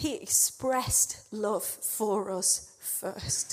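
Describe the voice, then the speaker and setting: Speaking at a very slow pace, a woman talks in a northern English accent. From northern England. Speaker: church speaker. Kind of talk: sermon. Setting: stage with audience, interpreted via earphones.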